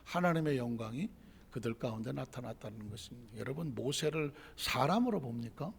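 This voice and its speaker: Fiery preacher with a gravelly voice. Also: male voice, mid-range voice, lively intonation, brisk. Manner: rhetorical questions, rising to emphatic peaks. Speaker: pastor. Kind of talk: sermon. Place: church sanctuary. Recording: church sanctuary with long reverb.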